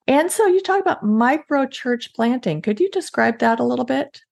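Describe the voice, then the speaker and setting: A woman's voice: high voice, animated, moderate pace, creaky, a little mellow. A woman hosting an interview podcast, chatting in an upbeat, enthusiastic way. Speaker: podcast host. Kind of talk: casual interview chat.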